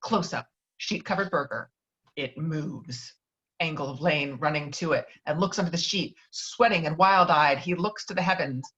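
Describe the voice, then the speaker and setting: A woman's voice: deep voice, moderate pace, a bit bright. Woman reading stage directions, slightly dull audio. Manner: stumbles over the script, correcting herself. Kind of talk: scripted narration at an informal table read. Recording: dull lo-fi online call audio.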